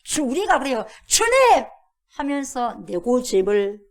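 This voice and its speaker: A woman pastor delivers a sermon in a high voice, often turning to the congregation with questions. She acts out quoted lines with sudden loud exclamations. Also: lively intonation, normal speed.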